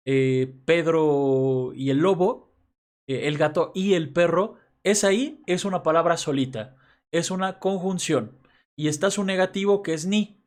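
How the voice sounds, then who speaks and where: A man giving a casual grammar lesson, talking conversationally and often checking in with his listeners. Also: a little high. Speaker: teacher.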